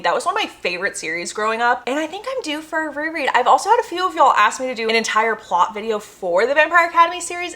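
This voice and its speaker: This is a young American woman with a fairly high voice that swings widely up and down. She talks like a vlogger sharing favorites with her followers, casual and gushing. She leans hard on key words and likes to repeat a phrase for emphasis. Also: bright, forceful tone. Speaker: book reviewer vlogger. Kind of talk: casual enthusiastic vlog chat to viewers.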